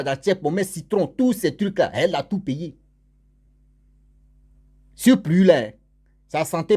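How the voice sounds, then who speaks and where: A man's voice: fairly high pitch, dark tone, slightly rough. A man telling a story casually and with energy, repeating phrases and talking straight to his listeners.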